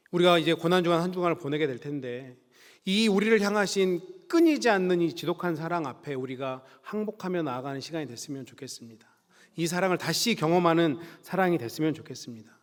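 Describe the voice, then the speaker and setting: A male pastor preaching a Sunday sermon in a church sanctuary, earnest and measured, slowing down to stress key words. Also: fairly high pitch. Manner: earnest, measured preaching with slow emphatic stretches. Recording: reverberant church hall.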